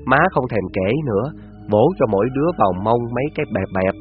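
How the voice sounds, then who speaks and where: A man, narrating a scripted story in a measured, descriptive way. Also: fairly low pitch, narrow, tinny audio, faint music behind.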